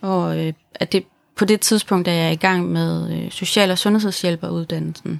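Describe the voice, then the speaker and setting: Recorded with a dry, close sound and no echo, a woman talks at a fairly slow pace. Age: 30s. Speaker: patient with chronic illness. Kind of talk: personal interview. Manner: hesitant, many fillers.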